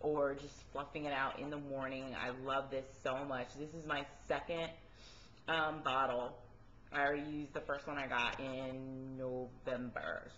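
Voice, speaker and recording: A woman with a very deep, low pitch speaks in a monotone, flat intonation with a bright, sharp tone. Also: fairly slow pace. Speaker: natural hair vlogger. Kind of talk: casual product review to camera.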